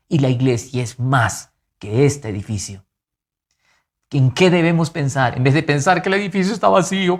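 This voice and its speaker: Preacher guy, bit high voice, earnest, goes loud then real soft. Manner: earnest, emphatic preaching with lively rises and soft drops. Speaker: pastor. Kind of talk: sermon.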